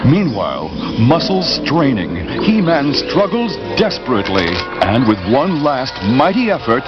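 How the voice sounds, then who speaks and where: A man's voice: mid-range voice, huge pitch swings, unhurried. A man giving dramatic scripted narration for an adventure story. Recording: muffled, with loud music.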